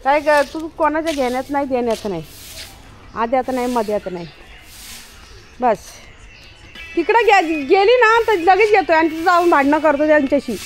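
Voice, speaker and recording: High-pitched woman scolding her dog. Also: expressive, moderate pace, pauses often, faint music behind. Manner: scolding, chiding a dog loudly. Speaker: vlogger talking to her pet dog. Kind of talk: casual home vlog.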